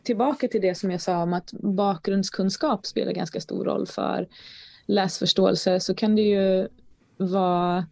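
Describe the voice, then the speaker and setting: Soft-toned, creaky woman explaining research. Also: medium pitch, fairly even intonation, no echo. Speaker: education researcher, interview guest. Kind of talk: explanatory research talk in conversation.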